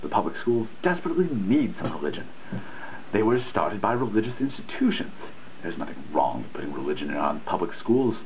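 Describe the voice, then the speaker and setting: This is a fairly low, very lively male voice with vocal fry, moving at a fairly quick clip as he dramatically reads out a dissertation. The tone is earnest and preachy, punctuated by occasional misread words. Sound quality is tinny and phone-like, with slight noise.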